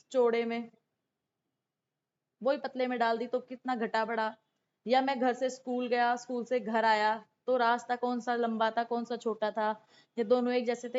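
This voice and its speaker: A woman with a hoarse, sore throat, teaching an exam-prep lesson in an explanatory way and mixing in English terms. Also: on the high side. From India. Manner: instructive, checks in with "okay", mixes in English terms. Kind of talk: explanatory exam lesson, going through questions. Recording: dull lo-fi sound.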